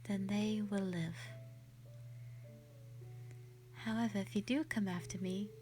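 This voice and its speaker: A woman acting a gentle, shy white dragon in human form for a roleplay audio drama, soft, breathy and hesitant, with sweet earnestness. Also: medium pitch, steady tone, brisk, faint music behind, close to an everyday voice. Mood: calm, firm. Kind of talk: roleplay audio drama, intimate one-sided dialogue.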